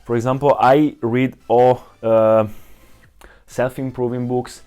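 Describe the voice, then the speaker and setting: A man's voice: medium pitch, flat delivery, slow pace, dark tone, clear, resonant tone. A young man from Italy with an Italian accent, talking casually to camera in English, often restarting and searching for words. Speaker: vlogger.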